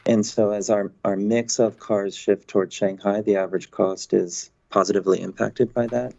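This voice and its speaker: Male executive, lowish gravelly voice, corporate explanatory briefing delivery, dull conference-call sound. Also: fairly even intonation, moderate pace, darkish tone. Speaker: company executive on an earnings call. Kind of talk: business briefing, answering analyst questions.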